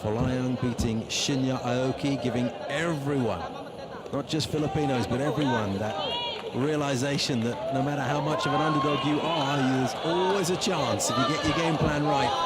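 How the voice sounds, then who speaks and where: Guy calling an mma fight live, loud crowd and lots of noise behind him. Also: mid-range voice, normal speed. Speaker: play-by-play fight commentator. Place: noisy indoor fight arena, ringside. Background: roaring crowd and arena noise.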